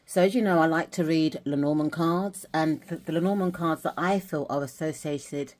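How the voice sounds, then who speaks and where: Chatty woman with a low voice. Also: moderate pace, darkish tone. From England. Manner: chatty, rambling with restarts and fillers. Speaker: vlogger. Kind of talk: casual chat, showing dolls and journal.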